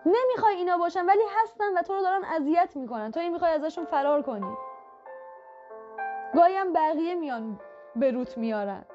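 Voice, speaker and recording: A woman with a high voice talks straight to the listener in a motivational self-help style. She coaches with direct, repeated points. The audio is slightly dull, with faint music underneath. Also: lively intonation. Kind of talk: motivational talk to the viewer.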